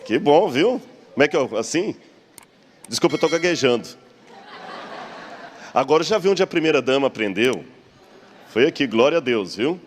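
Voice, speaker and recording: A man's voice: mid-range voice, big pitch swings, moderate pace, long pauses, a little hiss or hum. A man preaching a sermon in a full church, talking conversationally, joking with the congregation and posing rhetorical questions.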